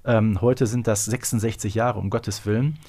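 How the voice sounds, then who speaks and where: A man's voice: fairly low pitch, fairly even intonation, normal speed, mellow. Chatty middle-aged man, casual podcast host. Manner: chatty, exclamatory, colloquial. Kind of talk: casual fan discussion.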